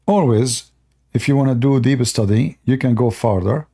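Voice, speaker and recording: A man's voice: medium pitch, normal speed, warm tone, breathy edge. A man from the Middle East with an Arabic accent, a native Arabic speaker, talking unscripted on a live stream as a Christian apologist, with fillers and repetition.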